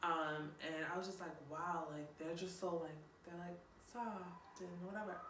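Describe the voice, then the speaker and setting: A woman's fairly low voice at a fairly quick pace, with audible room echo and noticeable background noise. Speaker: podcast co-host. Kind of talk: casual chat. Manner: fast.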